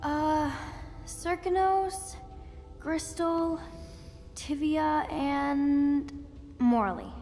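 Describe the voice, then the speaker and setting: An actress playing a playful, sulky young princess in a video game. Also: female voice, high voice, drawn-out words, dark tone, in a large hall, faint music behind, exaggerated voice. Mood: matter-of-fact. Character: playful, sulky young girl heir to a throne.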